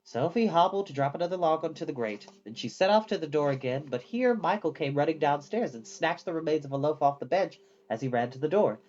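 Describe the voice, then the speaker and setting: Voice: medium pitch, expressive, a little fast, few pauses, darkish tone, highs cut off. A storyteller reading a fantasy novel aloud as scripted storybook narration.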